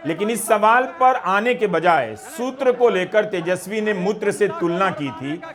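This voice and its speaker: A middle-aged man presenting news commentary in a measured voice, raising questions one after another. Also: high voice, animated, crowd noise.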